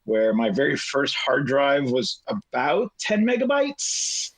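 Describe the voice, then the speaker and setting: A man's voice: medium pitch, sing-song, takes it slowly. A middle-aged man, a guest telling his life story in a casual chat, rambling with many fillers. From United States.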